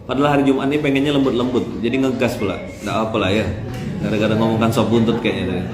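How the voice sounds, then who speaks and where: A male preacher with a Pontianak Malay accent, giving a joking, animated sermon and acting out voices of husbands and fathers. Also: lowish voice, quick pace, roomy sound, background noise. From Indonesia. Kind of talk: lively sermon.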